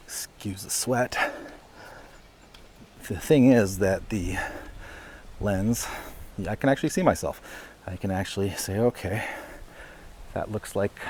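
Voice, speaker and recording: A man's voice: lowish voice, a little mellow, slight background noise. Chatty man vlogging on a walk. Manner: rambling and chatty, with fillers and self-amused laughs. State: slightly out of breath from walking. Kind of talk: casual walk-and-talk vlog. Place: outdoors on city streets. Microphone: lavalier mic while walking.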